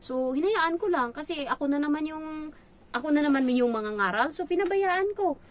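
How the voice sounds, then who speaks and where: A woman with a fairly high voice tells stories from her job as a domestic helper. She talks in a casual, chatty vlog way. She gets animated and acts out other people's lines. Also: normal speed. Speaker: domestic helper telling stories about her employers' child.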